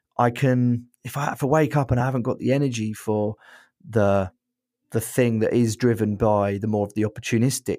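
In a very clean recording with a silent background, a man with a southern English accent speaks at a medium pitch with fairly even intonation. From England, Brighton. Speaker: founder of a video training business and an adventure company. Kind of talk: casual interview chat.

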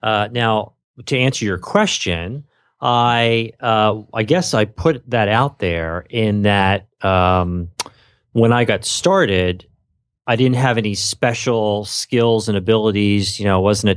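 A man speaks in a normal speaking voice with an American accent, his pitch fairly low and his intonation fairly even. The background is quiet. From Philadelphia area, Pennsylvania. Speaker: online business podcaster. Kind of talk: interview.

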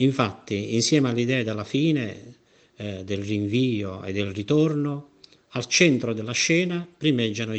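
A man with a plain, everyday voice, a fairly slow pace and ordinary pitch variation. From southern Italy, Basilicata. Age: 60s. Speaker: retired volunteer Italian teacher. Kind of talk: interview testimony.

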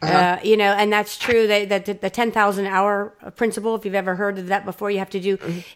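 A woman rattles along at a very fast pace with hardly any pauses and monotone, flat intonation amid noticeable background noise. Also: medium pitch for a woman. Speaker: podcast host. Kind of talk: casual interview chat.

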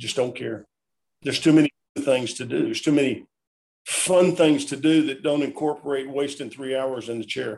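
A plain, everyday voice: a man with a fairly high pitch, fairly even intonation, and a moderate pace. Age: 60s. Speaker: construction business owner. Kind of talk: interview.

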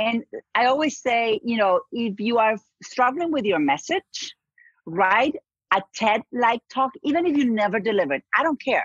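A woman with a Spanish accent and fairly high pitch, very wide pitch swings, very even loudness and a moderate pace, in a dry, close sound with no echo against a quiet background. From Argentina. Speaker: communication coach and speaker. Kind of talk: interview.

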